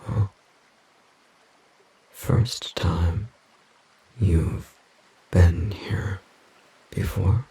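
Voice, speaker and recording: A man playing a grave, protective yet naively curious forest demon in an audio roleplay, speaking formally and haltingly with a breathy, gravelly rasp. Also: sits low, fairly even intonation, mellow, heavily acted, low-quality recording. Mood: grave, concerned. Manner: slow, formal, halting, pensive.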